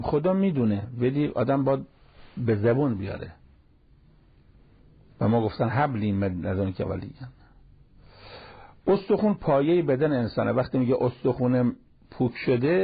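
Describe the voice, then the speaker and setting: A cleric delivers sermon-style Quran commentary in a plain, chatty manner, his mid-range voice gravelly and husky, with recited Arabic verses woven in. The audio is dull and lo-fi, like an old radio broadcast.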